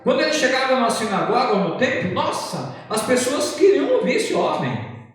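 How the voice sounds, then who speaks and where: A man's voice: very high voice, big pitch swings, moderate pace. A man from Brazil, a pastor, preaching a sermon, often asking the congregation rhetorical questions, his voice rising and falling. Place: church sanctuary. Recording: echoey church hall from far off.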